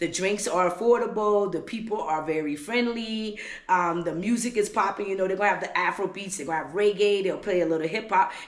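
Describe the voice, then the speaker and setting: Amid noticeable background noise, a woman talks in an animated tone at a fairly quick pace, with ordinary pitch variation and hardly any pauses. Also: medium pitch for a woman. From US South, Charleston, South Carolina (Gullah Geechee). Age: 40s. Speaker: business owner and ex-military. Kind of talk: interview conversation. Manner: animated, repetitive stammering.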